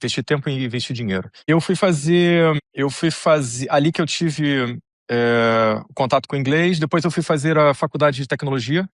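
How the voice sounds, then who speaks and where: A middle-aged man with a Brazilian accent telling his story as an interview guest, measured and often repeating phrases as he searches for words. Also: on the high side, dry recording, clean studio sound. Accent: Brazilian Portuguese. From Brazil, born in Paraná, grew up in Rio de Janeiro. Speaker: interview guest, technology manager. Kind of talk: conversational personal story.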